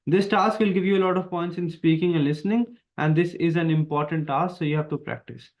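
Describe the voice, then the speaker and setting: A man with an Indian accent teaches an online exam lesson, his voice sitting a little high for a man. He explains each step emphatically and keeps repeating the main points. The recording sounds somewhat dull and lo-fi. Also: brisk.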